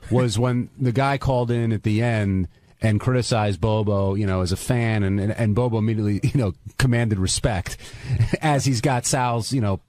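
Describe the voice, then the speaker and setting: A man's voice: fairly low pitch, normal speed, darkish tone. A man co-hosting a radio discussion, casually giving opinions and putting questions to the others. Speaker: radio show co-host.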